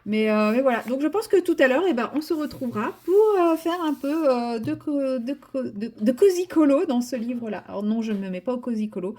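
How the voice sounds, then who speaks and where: A woman's voice: sits high, expressive, a little fast, few pauses, a little mellow. Woman, casual vlog, chatty, rambling, filler-heavy, at home. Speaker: vlogger. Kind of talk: casual chat.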